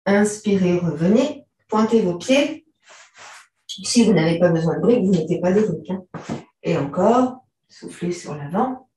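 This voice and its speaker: Female yoga teacher, unhurried gentle cues, mellow tone, heavy room echo, mic set far away. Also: fairly low pitch. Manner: slow, calm, gentle cues with frequent throat clearing. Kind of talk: guided stretching class instructions. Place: large room during an online class.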